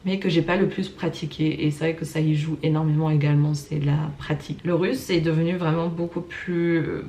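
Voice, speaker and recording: A woman's voice: deep voice, steady tone, brisk, mellow, slight background noise. A woman in her twenties telling her own story in a chatty, casual way, with lots of fillers and bursts of emphasis. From Germany and France, Russian-Canadian. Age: 20s. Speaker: vlogger.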